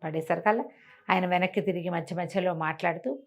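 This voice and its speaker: A woman telling moral tales aloud in an animated, conversational way, explaining as she goes and acting out dialogue. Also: on the low side, brisk. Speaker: storyteller.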